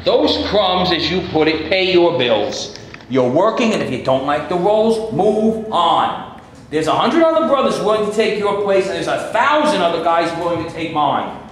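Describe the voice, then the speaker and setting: A man's voice: sits high, lively intonation, normal speed. A man playing a brusque, condescending white actor in a staged reading before a live audience, in a very echoey room with faint noise. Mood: dismissive. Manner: curt, condescending.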